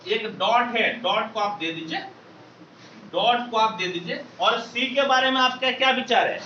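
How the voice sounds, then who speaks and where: Male maths teacher, keeps firing questions for the class to shout back; distant, lo-fi mic. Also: very high voice, measured pace, echoey room, a little hiss or hum. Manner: drills students with call-and-response questions. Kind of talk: classroom lecture.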